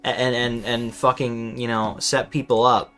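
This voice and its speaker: A man's voice: mid-range voice, flat delivery, normal speed, a bit bright. A man streaming a game with casual, exasperated, sweary running commentary, often stammering over repeated words. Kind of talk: casual live gameplay commentary. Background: game music.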